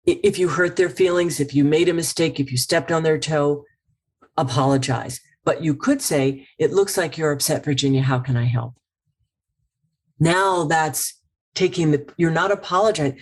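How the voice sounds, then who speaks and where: Woman guest: emphatic communication coach, slightly husky, acts out phrases. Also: low-pitched. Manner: passionate. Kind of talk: casual interview chat.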